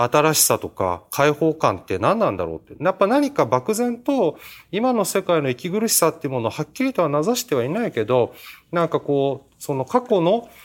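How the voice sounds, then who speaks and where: In a very clean recording with a silent background, the voice moves at a moderate pace with very wide pitch swings. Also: man, fairly high pitch for a man. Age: 40s. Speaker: philosopher. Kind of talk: casual chat. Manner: halting.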